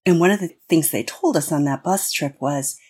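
A woman's voice: deep voice, normal speed, darkish tone, husky. An American woman speaking as a guest on an interview podcast, explaining in an earnest way with frequent restarts. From United States. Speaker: guest expert.

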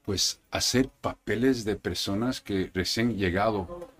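Un hombre de Brooklyn, de lengua materna inglesa, que habla con calma en una entrevista. Tiene una voz más bien grave. Divaga sin prisa y mezcla palabras en inglés. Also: male voice, on the low side, unhurried. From Brooklyn, New York. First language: English. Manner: relaxed, rambling, mixes in English words. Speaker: actor, interview guest. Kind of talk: casual conversation. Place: indoor arcade.

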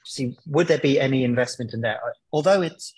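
A man's voice: mid-range voice, a little fast, darkish tone, husky. A man speaking as a football pundit guest in a conversational interview, explaining his points with hesitant, searching phrasing.

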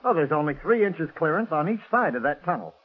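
An actor playing a flustered, defensive amusement park owner in a 1940s radio drama, blustery and protesting. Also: male voice, on the high side, very animated, fast talker, breathy edge. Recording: muffled, narrow-band 1940s radio recording.

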